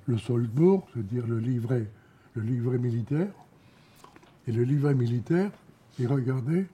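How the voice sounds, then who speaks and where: An elderly man from Alsace recounting memories as an eyewitness, halting, repeating words and pausing between short phrases. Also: mid-range voice, dark tone, breathy edge, lo-fi sound. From Alsace, France. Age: elderly, around 90. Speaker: war veteran giving eyewitness testimony. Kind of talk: spoken testimony, recounting memories.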